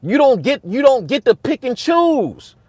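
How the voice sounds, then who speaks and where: Very animated yet unhurried, a young livestream host argues with his chat, repeating himself and rising to a loud, high pitch when riled. The studio sound is clean, with no room sound.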